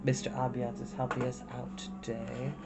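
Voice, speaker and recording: A man's voice: medium pitch, completely flat delivery, moderate pace. A man hosting an online storytime, chatting casually and reading a storybook expressively. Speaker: host of an online storytime show. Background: background music.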